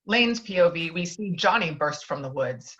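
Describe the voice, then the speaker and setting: A woman's voice: on the low side, expressive, normal speed, a bit bright. A woman reading screenplay stage directions as scripted narration, heard through slightly dull online audio.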